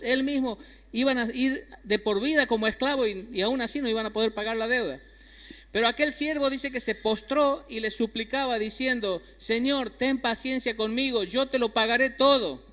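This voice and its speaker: A man's voice: very high-pitched, sharp tone. A man preaching a sermon, emphatic, repeating key phrases and asking his listeners questions. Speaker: pastor. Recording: long hall reverb.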